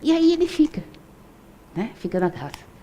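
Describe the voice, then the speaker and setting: A woman's voice: fairly high pitch, sing-song, normal speed, mellow, a little hiss or hum. An older woman telling a true story to an audience in a conversational way, with frequent tag questions.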